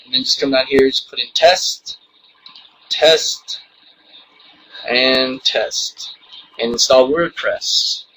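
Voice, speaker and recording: Delivered at a very slow pace with long, frequent pauses, the speech swings widely in loudness against noticeable background noise. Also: man. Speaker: tutorial video maker. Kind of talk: tutorial. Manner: casual, halting.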